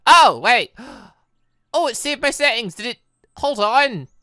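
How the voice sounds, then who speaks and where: Animated man, bright and chatty. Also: very high-pitched, measured pace, clean tone, dry recording, clean studio sound. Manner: chatty, rambling, exclamatory. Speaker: gaming video host. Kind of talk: casual let's play commentary.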